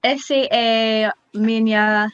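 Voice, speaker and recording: A woman from England with an English accent, a native English speaker haltingly introducing herself as a language student. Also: on the high side, steady tone, clean tone, muffled recording. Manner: halting learner's speech. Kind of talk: hesitant self-introduction in a foreign language.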